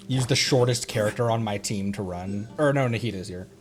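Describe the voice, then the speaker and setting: A man livestreaming a video game, chatting casually and playfully to himself as he plays. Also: on the low side. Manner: playful, giggly, self-talking. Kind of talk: casual game stream chat. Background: game music.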